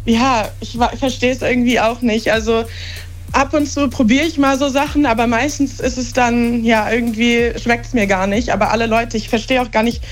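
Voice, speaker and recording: A woman caller on a radio show, with a slightly high voice. She talks haltingly and fills the gaps, and soft music runs behind her. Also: steady tone. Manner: hesitant, lots of fillers.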